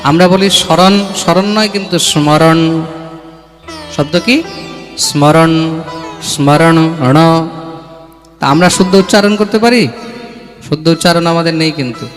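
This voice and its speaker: A man's voice: a little high, normal speed, long pauses. A male preacher giving a devotional sermon, chanting verses and calling out for responses from his listeners. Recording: reverberant hall with music.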